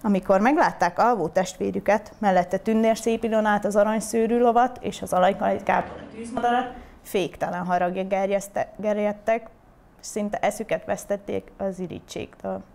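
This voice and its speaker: Woman storyteller, fairy tale read aloud, steady, clear, mid pitch.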